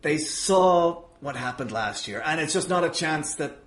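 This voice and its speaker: A man's voice: fairly high pitch, animated, unhurried, fairly bright tone. A man as a podcast guest, apologetically and hesitantly placating someone in a comic argument. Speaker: podcast guest, wrestling show promoter. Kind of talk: improvised comedic argument on a podcast.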